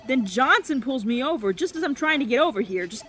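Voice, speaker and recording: A woman's voice: sits high, lively intonation, a bit bright, faint music behind. An actress playing a harried, exasperated woman who is running late, in an audio drama. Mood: flustered. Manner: exasperated, rushed. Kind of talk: full-cast audio drama acting.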